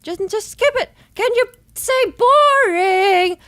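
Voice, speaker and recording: A woman's voice: extremely high pitch, animated, takes it slowly, pushed and bright, dry recording, pitched above the performer's own voice, full character voice. A woman voicing a hot-tempered, sarcastic young woman in a fantasy game, brash, snappy and taunting. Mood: mocking.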